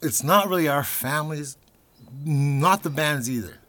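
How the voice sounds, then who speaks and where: An actor playing a frustrated Indigenous farmer who speaks in a weary, pointed way in an audio drama. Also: male voice, fairly high pitch, unhurried, pushed and bright, dry recording.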